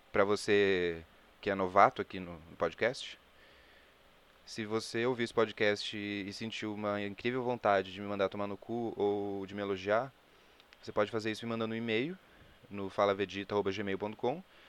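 A man with fairly low pitch speaks at a moderate pace with fairly even intonation. Long, frequent pauses and big swings in loudness mark his delivery. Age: 20s. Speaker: podcaster. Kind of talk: casual chat.

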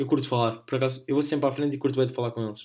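A European Portuguese accent on a very clean recording with a silent background. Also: man. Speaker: podcast host. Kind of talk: casual solo chat. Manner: animated.

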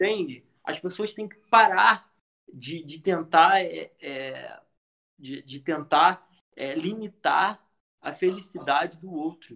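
A man speaks very slowly at a high pitch. His loudness swings a great deal. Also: ordinary pitch variation. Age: 20s. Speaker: actor. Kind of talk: casual chat. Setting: livestreamed podcast.

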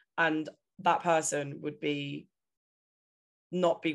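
This woman has a British accent and a very deep, low pitch. Her intonation stays fairly even. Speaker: podcast host. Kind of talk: casual chat. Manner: fluent, no stammer.

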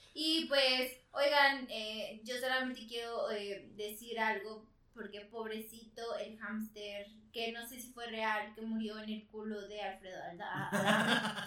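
In a room with audible echo, a woman with a fairly high pitch speaks at a very slow pace, her intonation fairly even and her loudness swinging widely. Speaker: podcast host. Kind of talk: casual chat.

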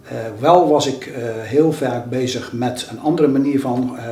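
A man speaks at a medium pitch and moderate pace with fairly even intonation. Audible room echo and noticeable background noise fill the recording. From Netherlands, Katwijk (South Holland coast). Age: 60s. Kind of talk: personal faith testimony.

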